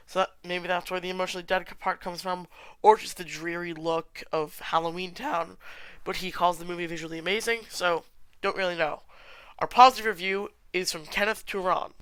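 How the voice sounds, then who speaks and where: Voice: mid-range voice, fairly even intonation, normal speed, fairly bright tone, clean tone, no room sound. A podcast host with a stuffy nose and sore throat, chatting casually and giving opinions in a solo film review. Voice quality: congested.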